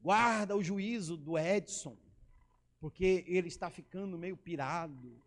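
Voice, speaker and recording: A man voicing a calm, concerned older male pastor who speaks softly and slowly when praying. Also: high voice, voice pushed down.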